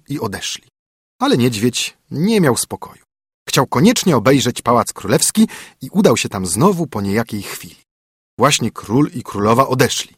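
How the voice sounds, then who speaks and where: A man reading a fairy tale aloud for a children's radio program, with an expressive delivery. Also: mid-range voice, husky, no echo, studio quality. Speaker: storyteller.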